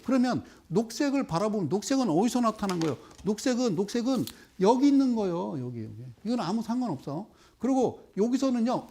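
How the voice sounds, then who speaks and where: Middle-aged male market lecturer, high voice, lively, quizzes his viewers. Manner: animated, talks straight to viewers with rhetorical questions; drops into slow, drawn-out explaining while pointing at a chart. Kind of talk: televised investment lecture.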